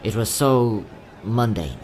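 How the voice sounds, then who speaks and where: A man performs a young travelling merchant in a fantasy audio drama, courteous and a little sad. His polite sales patter swings widely in pitch. Some ambient noise sits behind the voice. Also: lively intonation, takes it slowly, a little mellow. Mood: grieving. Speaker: voice actor.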